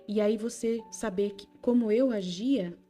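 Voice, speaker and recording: A woman speaking as Jesus, a gentle male divine figure, in a tender, reassuring way with her own voice. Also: medium pitch, unhurried, faint music behind, lightly acted. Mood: consoling. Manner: tender, reassuring, addresses listener by name.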